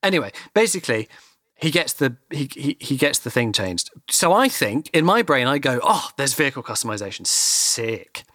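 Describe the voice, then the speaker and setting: A man's voice: a little high, big pitch swings, moderate pace, fairly bright tone, no room sound, clean studio sound. A man ranting animatedly in casual chat as a podcast co-host, swearing freely.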